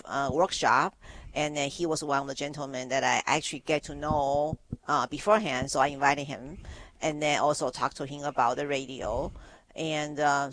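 A man's voice: a little high, fairly bright tone, no room sound, low-quality recording. A middle-aged man from Taiwan, a guest on a radio show, earnestly telling about his grief ministry with many restarts. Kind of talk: radio interview answers.

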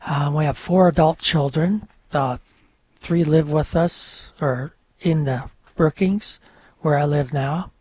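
A man in his fifties from northern New York, whose first language is French, telling his story as a radio guest in a rambling, halting way. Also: fairly high pitch, darkish tone, breathy edge, no room sound. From northern New York, French-speaking home. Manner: rambling, halting with many fillers. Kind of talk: casual radio interview storytelling.

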